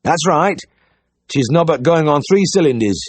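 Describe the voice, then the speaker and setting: A man voicing a plump, cheery farmer, talking loud and hearty. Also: on the high side, expressive, moderate pace, no room sound, voice pushed up. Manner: loud, hearty, broad dialect. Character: bluff Yorkshire farmer, plump, cheery, middle-aged man.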